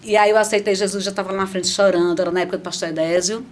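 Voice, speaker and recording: A middle-aged woman speaks as a podcast guest, recounting her conversion story with animated energy. She stumbles, restarts and addresses the room directly, at an ordinary mid pitch. The voice is close on a studio microphone. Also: very fast. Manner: animated storytelling with frequent restarts and asides to listeners. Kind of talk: conversational faith testimony.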